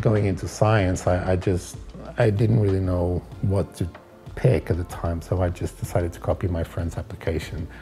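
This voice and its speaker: A man speaks at a moderate pace in a very deep, low voice. Faint music plays in the background. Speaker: interviewee. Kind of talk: interview answer. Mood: reflective, occasional laughs. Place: home room. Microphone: lapel.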